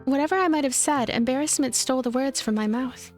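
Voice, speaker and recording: A woman's voice: high voice, fast talker. A woman narrating a visual novel as a let's play host, reading the story expressively. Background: background music.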